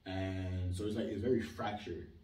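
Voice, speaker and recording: Low-voiced young man in an echoey room. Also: moderate pace, a little hiss or hum. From Israel. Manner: animated, emphatic, leans on filler "like". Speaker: interview guest. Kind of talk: casual conversational interview. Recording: roomy sound, mic at a distance.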